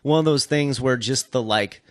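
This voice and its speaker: Male podcast storyteller, medium pitch, casual and sweary, rambling delivery, dry recording. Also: normal speed, dry recording. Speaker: podcast co-host telling stories. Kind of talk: casual profane storytelling chat.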